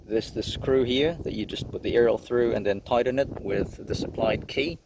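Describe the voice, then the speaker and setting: A man's voice: medium pitch, moderate pace, noisy background. A man presenting a casual hands-on how-to tutorial. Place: in and around a car.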